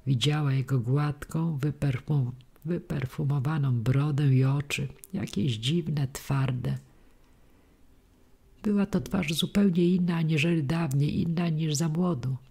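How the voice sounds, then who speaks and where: A woman narrating a classic novel as an audiobook in a measured, literary manner, with a husky voice. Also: sits low, dark tone.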